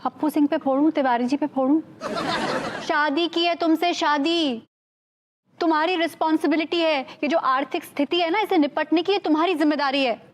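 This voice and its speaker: A woman's voice: high-pitched, moderate pace, noisy background, natural voice. An actress playing an exasperated wife who scolds and nags her husband. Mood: scolding. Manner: nagging, scolding.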